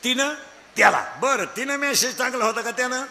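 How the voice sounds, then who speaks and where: A man preaches a comic kirtan, scolding his listeners and drawing answers from the crowd. His voice is very high and forceful. It rings out in a hall with a long echo and faint noise behind it. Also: brisk, creaky. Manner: scolding, bantering with the crowd, shouting and singing at peaks. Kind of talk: comic devotional kirtan sermon.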